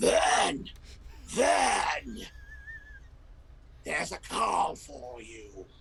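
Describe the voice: A raspy, put-on character voice at a very slow pace, with long, frequent pauses and clear background noise. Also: man.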